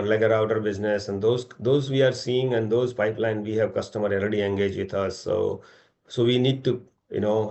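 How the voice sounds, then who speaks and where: Indian-accented man with a creaky voice. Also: medium pitch, darkish tone, lo-fi sound. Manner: rambling, repeats tag question "is it correct". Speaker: company executive answering investors. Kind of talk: informal investor call answers.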